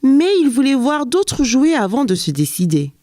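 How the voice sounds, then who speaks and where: A woman narrating a children's cartoon in a gentle, clear storybook manner. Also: high-pitched, big pitch swings, moderate pace, no room sound.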